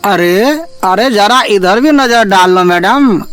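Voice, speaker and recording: Actor as cheeky young street guy in a cartoon story, insolent, whiny, mid pitched. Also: slow, a bit bright, clean tone, no room sound, soft background music. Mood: leering, teasing. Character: cheeky, brazen young male street loafer.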